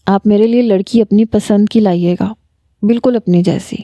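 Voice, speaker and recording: A woman reading a gentle, lovestruck young doctor. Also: medium pitch, steady tone, dry recording, clean studio sound, natural voice. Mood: pleading. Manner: soft, coaxing and earnest. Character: young man, a smitten doctor, gentle and persistent. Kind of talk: story narration.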